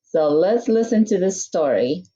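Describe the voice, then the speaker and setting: A woman's voice: lowish voice, animated, measured pace, mellow, husky. A woman speaking informally to children as a teacher introducing a read-aloud, on a muffled recording.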